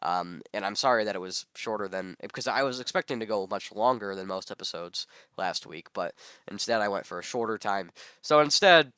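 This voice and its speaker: A man's voice: fairly low pitch, animated, fairly quick, bright, forceful tone, smooth, no echo, studio quality. Sick young man rambling solo. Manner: rambling, many ums and self-corrections. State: sick, voice hoarse. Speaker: podcast host. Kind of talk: solo podcast monologue.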